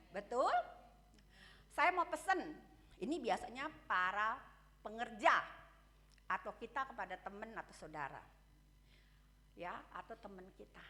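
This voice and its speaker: A woman's voice: fairly high pitch, sharp tone. A woman pastor preaching a sermon in a candid, conversational way, often asking the congregation questions. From Indonesia. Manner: asks the congregation questions, frequent "ya" and "betul?"; candid and conversational, shares personal stories.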